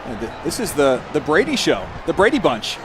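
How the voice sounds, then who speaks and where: A man's voice: on the high side, huge pitch swings, a little fast. A man giving conversational color analysis during a live American football broadcast. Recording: broadcast booth, stadium noise behind.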